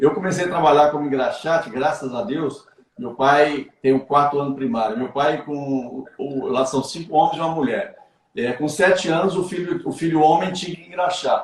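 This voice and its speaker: An ordinary speaking voice from a man, at a fairly high pitch. He keeps a moderate pace with ordinary pitch variation. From Minas Gerais, Brazil (Santo Antônio do Monte). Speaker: interviewer. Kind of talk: casual chat.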